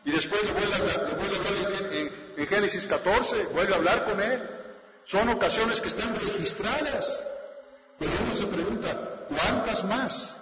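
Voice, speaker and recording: A man's voice: high voice, normal speed, background noise. A man preaching a sermon as pastor, asking his congregation rhetorical questions and often restarting phrases. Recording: echoey hall, dull lo-fi sound.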